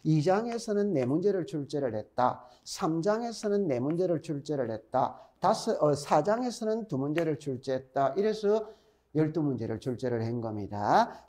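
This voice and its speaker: Middle-aged lecturer, Gyeongsang accent, lively up-and-down delivery, mellow tone, drills points by repeating them. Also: male voice, on the high side. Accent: Gyeongsang Korean. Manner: chatty, repeats key points, quizzes students. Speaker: exam-prep instructor. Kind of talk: recorded classroom lecture.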